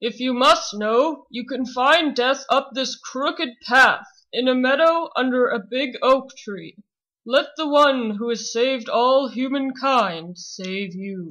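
A man's put-on character voice, raised and projected, extremely high in pitch, at a fairly slow pace. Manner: gentle, scolding, weary.

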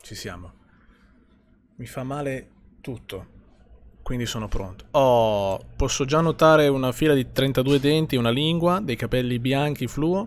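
Under light background noise, a man at a medium pitch speaks at a fairly slow pace with long, frequent pauses, ordinary pitch variation and big swings in loudness. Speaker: gaming streamer. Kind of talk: casual chat. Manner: animated. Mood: joking, playful. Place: home room. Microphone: new wireless headset.

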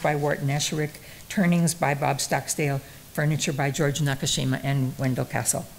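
Fairly quick pace with light background noise. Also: woman. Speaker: craft critic; speaker. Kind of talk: lecture. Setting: stage with audience. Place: hall.

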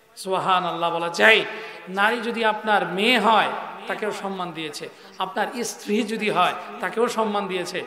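A raised, projected voice with fairly even intonation. There is audible room echo and light background noise. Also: man. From Bangladesh, Jamalpur; Bangladesh. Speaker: Islamic preacher. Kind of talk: sermon. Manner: loud, declamatory. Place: stage. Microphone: handheld.

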